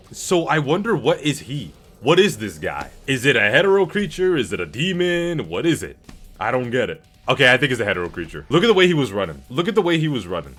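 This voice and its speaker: A man streaming casual reaction commentary to his audience, talking in an excitable, slangy way with plenty of swearing. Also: medium pitch. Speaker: streamer reacting to game cutscenes. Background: background music.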